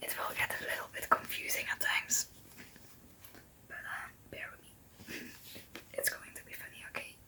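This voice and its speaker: A whisper at a moderate pace, with long, frequent pauses and noticeable background noise. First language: Dutch. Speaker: ASMR youtuber. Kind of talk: casual chat. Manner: soft-spoken.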